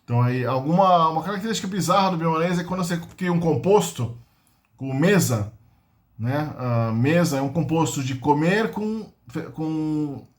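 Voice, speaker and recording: A man's voice: fairly high pitch, lively intonation. A man giving an informal linguistics lesson, explaining patiently and sounding out foreign words. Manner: explains slowly with many fillers and restarts, sounds out foreign words. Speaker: linguistics channel host.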